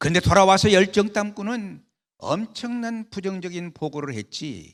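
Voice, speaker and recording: In a very clean recording with a silent background, a high-pitched man speaks at a fairly slow pace. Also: ordinary pitch variation. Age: 80s+. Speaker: guest pastor and evangelist. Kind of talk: revival sermon. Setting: church. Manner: animated.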